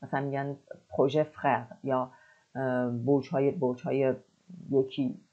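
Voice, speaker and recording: A woman teaching French. She explains words in Persian and repeats French phrases slowly and carefully. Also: very deep voice, little pitch movement, narrow, tinny audio. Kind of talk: explaining a language lesson.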